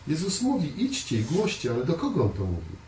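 A man preaching a conversational sermon to a small congregation, earnest, often repeating words and pausing on fillers. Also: on the high side, wildly swooping pitch, a little mellow. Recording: echoey room, voice from far off, faint hiss.

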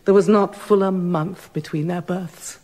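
An actress playing an outspoken older noblewoman in a radio drama, speaking with sharp reproach. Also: fairly low pitch, fairly even intonation, unhurried. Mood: reproachful. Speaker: queen's loyal lady.

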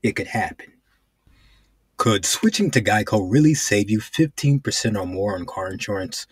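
A man's voice: fairly low pitch, lively intonation, normal speed, breathy edge, dry recording, clean studio sound. A man reading commercial voice-over scripts in a polished announcer delivery. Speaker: voice-over artist.

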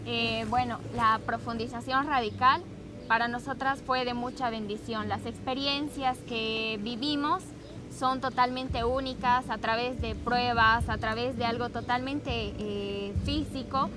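A young woman from Bolivia with a fairly high voice speaks with fervent conviction. She sits on an outdoor lawn, picked up by a distant camera, with clear music behind her. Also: steady tone, a little slow. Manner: earnest, fervent. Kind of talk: testimony to camera. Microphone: far camera.

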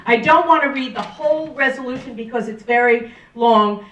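A middle-aged woman professor giving a loud, emphatic speech at a campus event, holding a handheld mic. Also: fairly high pitch, normal speed, muffled recording. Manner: loud, emphatic, listing with rising stress. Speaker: professor reading a statement. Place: large lecture room. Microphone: handheld mic, far camera. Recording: roomy hall from far off.

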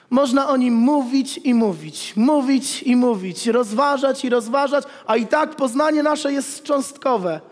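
A man in his thirties, a pastor, preaching an animated sermon with jokes, at a pulpit in a church hall. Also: extremely high pitch. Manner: animated, gestures while preaching, jokes with the congregation. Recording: long reverb of a church hall.

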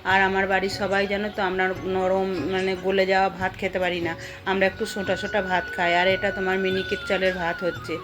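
A middle-aged woman speaks Bengali with a West Bengal accent in a casual vlog voice-over. Her voice is mid-pitched and stays fairly flat as she chats directly to her viewers about everyday home life. Music plays clearly behind her. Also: fairly quick. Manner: chatty, addresses viewers directly as friends. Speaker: homemaker and vlogger. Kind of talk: casual vlog voice-over narrating cooking and household routine.

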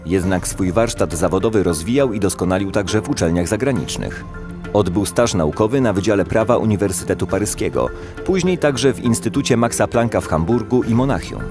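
Casting note: deep-ish male voice-over, formal, steady read, clear music bed. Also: brisk. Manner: even, formal reading. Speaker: documentary narrator. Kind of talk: scripted narration.

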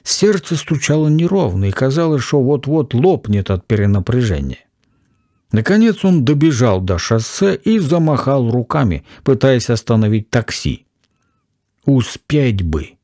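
A man's voice: medium pitch, big pitch swings, normal speed, mellow, no echo, clean studio sound. A man narrating a crime story expressively and dramatically, with ad-libbed asides. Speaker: audiobook narrator.

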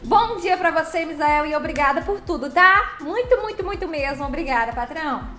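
A woman's voice: high-pitched, lively intonation, moderate pace, sharp tone. A woman hosting a casual live stream, greeting viewers by name with pet names and chatty affection. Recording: roomy echo with faint background music.

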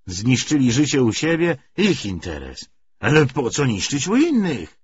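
A man puts on a gruff-tongued corporal from an audiobook war novel. He grumbles in coarse soldier's slang, with pitch swinging up high and a slow, drawn-out delivery. The recording is slightly dull. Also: huge pitch swings, a little hiss or hum. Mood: indignant grumbling. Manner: slangy, colloquial soldier's talk. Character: coarse Polish army corporal, cursing, folksy and grumbling.

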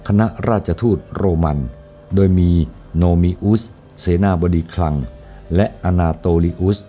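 Low, dark-toned man narrating a historical novel, steady delivery. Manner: steady, even storytelling. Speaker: audiobook narrator.

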